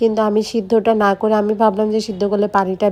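A woman's voice is heard. Its pitch is medium. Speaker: cooking vlogger. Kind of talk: casual vlog talk to viewers.

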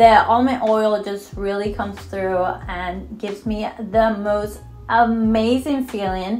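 A woman speaks with fairly even intonation. Light background noise can be heard. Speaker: beauty vlogger. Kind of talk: casual product review vlog. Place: home room.

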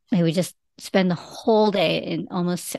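In a plain, everyday voice, a woman with an American accent talks at a moderate pace, her pitch fairly low and its variation ordinary, over a quiet background. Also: dry, close sound with no echo. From United States. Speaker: eDiscovery attorney. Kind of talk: interview.

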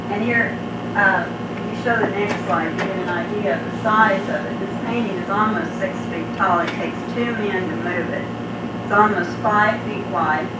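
Loud background noise and audible room echo accompany a woman speaking at a moderate pace. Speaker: presenter. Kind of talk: slide presentation talk. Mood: enthusiastic storytelling. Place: hall.

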